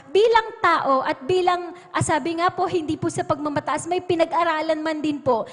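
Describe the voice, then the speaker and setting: A woman with a Filipino accent giving an earnest testimony at a Sunday worship service, addressing the congregation again and again as beloved. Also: very high-pitched. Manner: earnest, repeats "mga minamahal" as address. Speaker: church worker giving testimony. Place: church hall. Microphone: pulpit microphone. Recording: church livestream with long hall reverb.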